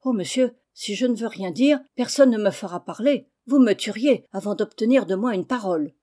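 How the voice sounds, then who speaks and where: Woman reading a calm, resolute schoolboy. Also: medium pitch, normal speed, close to an everyday voice. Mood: firm. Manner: polite and firm.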